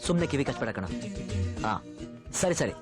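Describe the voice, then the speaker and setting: A man playing a gruff bachelor who talks in a brusque, scolding way, his pitch swinging widely. Strong film music sits behind his lines. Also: big pitch swings, moderate pace, close to an everyday voice. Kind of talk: film dialogue.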